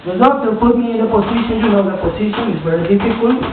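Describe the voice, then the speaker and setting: Colombian man doing halting stand-up. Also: sits high, noisy background. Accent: Colombian Spanish. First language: Spanish. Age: 40s. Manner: halting, searching for words, many restarts. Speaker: stand-up comedian. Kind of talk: stand-up comedy set. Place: small comedy club. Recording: echoey tinny club recording from far off. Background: audience laughter.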